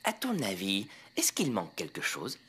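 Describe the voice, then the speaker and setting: A friendly cartoon father, speaks patiently with a very varied melody. He is coaxing and animated, with music in the background. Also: low voice, normal speed, heavily acted. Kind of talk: French children's cartoon dub.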